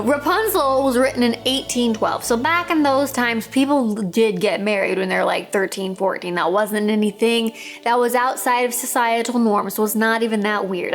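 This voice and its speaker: Retelling a fairytale for her storytelling video, a woman chats in a lively, relaxed way and performs snippets of dialogue. Her voice is a little high.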